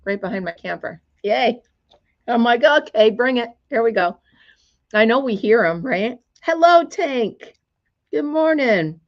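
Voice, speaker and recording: A woman hosting a casual crafting livestream from her store, chatty and greeting viewers by name, her voice still hoarse as it recovers. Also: a little high, moderate pace, lo-fi sound.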